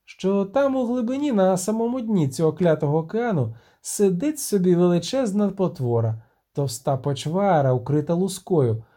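Brief: fanciful talkative bard from a storybook, read by a man, quick and animated. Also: sits high, pitched above the performer's own voice. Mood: excited. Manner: rambling, excitable chatter. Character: chatty excitable male bard, fanciful and talkative.

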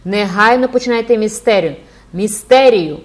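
A woman voicing a rowdy medieval crowd of students, shouting demands loudly. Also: mid-range voice, moderate pace, lightly acted.

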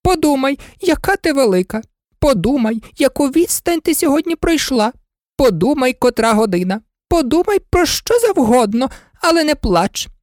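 A woman's voice: very animated, moderate pace, darkish tone, no room sound, clean studio sound. A woman voicing a fussy, scatterbrained elderly queen who talks in flustered exclamations. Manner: flustered, exclaiming, squeaky at times.

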